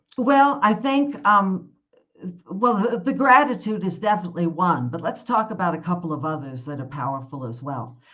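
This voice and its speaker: A woman's fairly low voice at a moderate pace, with very wide pitch swings and big swings in loudness. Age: 60s. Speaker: happiness coach. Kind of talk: interview.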